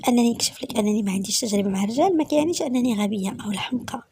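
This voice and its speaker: A woman with a Moroccan accent voicing a guarded, inexperienced young woman, in a soft, half-whispered delivery. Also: a little high, lively intonation, racing, a little hiss or hum. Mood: defiant.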